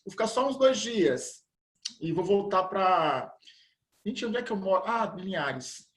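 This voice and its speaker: A man's voice: high-pitched, animated, a little slow, fairly bright tone. A man teaching a school class over a video call, greeting students one by one and joking around. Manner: playful, jokey, greets everyone by name. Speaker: biology teacher. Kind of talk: casual online class chat.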